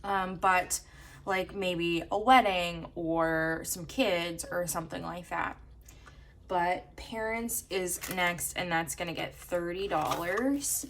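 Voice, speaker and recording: A young woman from Canada talks casually and counts cash aloud in a steady rhythm, her voice a little hoarse from a coming cold. She sits a touch low for a woman. A faint hum of room ambience runs underneath. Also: slow. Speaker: budgeting vlogger.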